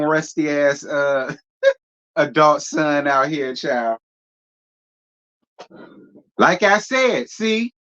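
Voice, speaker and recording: This thirty-something host reads his live chat and replies with a drawling, sassy attitude and plenty of laughing. His pitch is fairly high and a bit bright, though the audio sounds dull.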